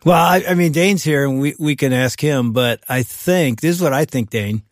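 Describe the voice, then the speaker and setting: A man co-hosting a radio talk show, joking and chatting in a playful, excitable way. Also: mid-range voice, moderate pace, dry recording, clean studio sound. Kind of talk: casual studio chat.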